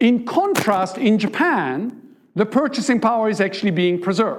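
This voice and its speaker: A man speaks in a German accent at a high pitch. His intonation is lively. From Germany. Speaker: economist. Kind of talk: presentation. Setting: stage with audience.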